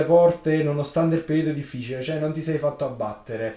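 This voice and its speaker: A man whose pitch is fairly high shows ordinary pitch variation while noticeable background noise plays. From Avellino, Campania. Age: 20s. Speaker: radio host. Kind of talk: radio interview.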